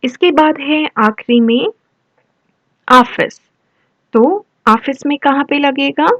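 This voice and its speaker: A woman teacher slowly walking children through a worksheet, explaining patiently word by word. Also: high voice, a bit bright, no echo. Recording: dull lo-fi voice-over.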